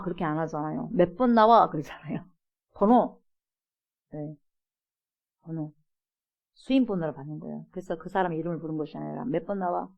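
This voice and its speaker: A woman pastor preaching an early-morning sermon at a middle pitch. She talks animatedly, acts out the voices she quotes and laughs often. The church stream sounds a little dull. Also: a little mellow.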